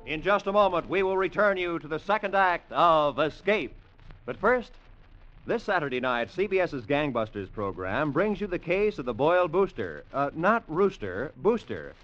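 Brief: male announcer, high and bouncy, muffled old radio broadcast. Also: moderate pace. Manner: lively, playful announcing. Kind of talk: scripted announcement.

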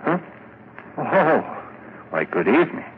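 An actor playing a gaunt, white-haired, haunted musician in an old radio drama, intense and rhapsodic with dramatic pauses. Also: male voice, mid-range voice, big pitch swings. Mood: elated. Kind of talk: 1940s radio drama acting. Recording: muffled, noisy vintage radio recording.

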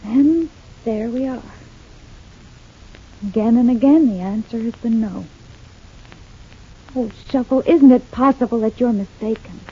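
Anxious young woman, high voice, breathy, thin tinny old radio sound, 1940s soap. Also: measured pace, long pauses. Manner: pleading, anxious.

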